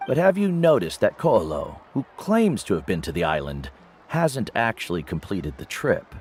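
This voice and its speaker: An actor playing a wise older male tribal guide in a video game, kindly, measured and earnest in his explanations. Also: fairly low pitch, sing-song, a little mellow, a little hiss or hum. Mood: earnest, instructive. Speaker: mentor. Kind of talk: scripted game dialogue. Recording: background music under the dialogue.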